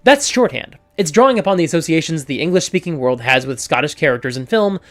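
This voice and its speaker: A man's voice: on the high side, expressive, quick pace. A man giving an articulate explanatory video commentary, building an argument with small asides. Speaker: video essayist.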